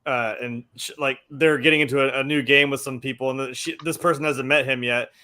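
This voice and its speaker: A man's voice: medium pitch, steady tone, fairly quick, sharp tone. A man co-hosting a casual movie review podcast, telling stories and joking. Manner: joking storyteller, does silly voices. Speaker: podcast co-host.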